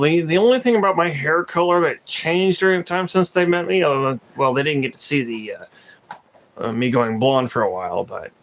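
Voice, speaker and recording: A man's voice: mid-range voice, a little hiss or hum. A young man from Oregon hosting a casual family chat, rambling with fillers and frequent laughter. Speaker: host.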